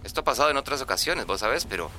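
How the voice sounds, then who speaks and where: A man's voice: mid-range voice, lively intonation, rapid-fire, pushed and bright, a little hiss or hum. A resigned small-town man. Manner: resigned, matter-of-fact. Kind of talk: radio drama acting.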